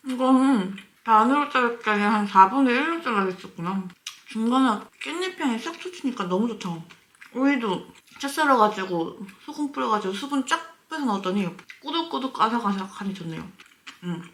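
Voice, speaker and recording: Talking to her viewers at a moderate pace, this mukbang vlogger has a slightly high, fairly bright voice with lively intonation. She chats casually while chewing, her mouth often full, and slips in murmured asides as she savors the food. The room echoes, with faint noise and clicks.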